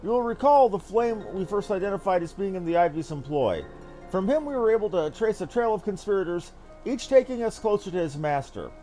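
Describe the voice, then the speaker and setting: Dutiful army captain, acted by a man, formal archaic report, lively high voice, video game fantasy. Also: brisk. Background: game music.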